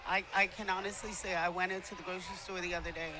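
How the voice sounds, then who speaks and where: A man's voice: sits high, level tone, fast talker, low-quality recording. A man hosting a live outdoor event with casual, emphatic commentary, repeating phrases for stress. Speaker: parade broadcast host. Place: outdoors at a parade. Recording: prominent music behind live outdoor broadcast.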